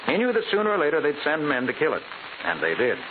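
An actor playing a confident private detective in 1940s radio style, explaining things precisely with an American accent. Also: male voice, fairly high pitch, wildly swooping pitch, fast, phone-quality sound. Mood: assured, explanatory. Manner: precise, expository, authoritative. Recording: hissy, band-limited 1940s radio recording.

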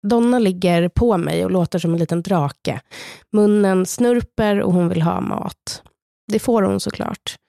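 A Swedish woman in her thirties tells a personal story slowly and intimately, in a measured way. Her voice is mellow and dark, with a gravelly fry. She is recorded close and dry, with no room sound. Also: medium pitch, dry recording. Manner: slow, measured, intimate telling in the present tense. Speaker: podcast co-host. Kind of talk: personal storytelling, partly read from a script.

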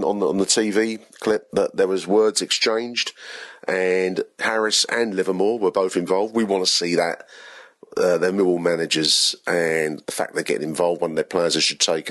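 Hoarse, deep-voiced man. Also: fairly bright tone, dry recording. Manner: chatty, rambling, self-deprecating. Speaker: football podcast host. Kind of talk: casual solo match review.

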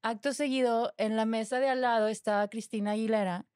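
A woman's voice: on the high side, steady tone, a little fast, a little mellow, clear, resonant tone, no room sound, clean studio sound. A woman from Mexico with a Mexican accent, a podcast co-host chatting casually and telling a story full of asides. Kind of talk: casual chat.

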